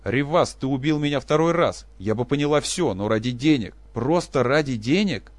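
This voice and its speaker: A man voicing a grieving, vengeful woman who speaks in an even, cutting voice. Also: lowish voice, normal speed, no echo, close to an everyday voice. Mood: bitter.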